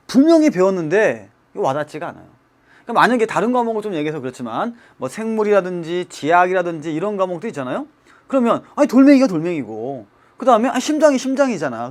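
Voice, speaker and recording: Animated male chemistry lecturer. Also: high voice. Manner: animated, emphatic, repeats key terms and asks rhetorical questions. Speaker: chemistry teacher. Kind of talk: televised exam-prep lecture. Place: broadcast studio.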